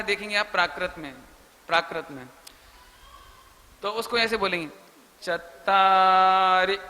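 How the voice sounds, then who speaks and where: High-voiced man preaching in a hall. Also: sharp tone. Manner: explains patiently, drawing out chanted syllables. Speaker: Jain preacher. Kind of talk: religious Q&A discourse.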